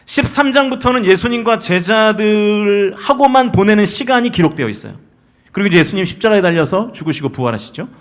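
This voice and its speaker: Preaching his Sunday sermon in a church sanctuary, the senior pastor, a man in his forties, sounds high-pitched, animated, and brisk. He moves back and forth between loud, emphatic calls and quiet storytelling.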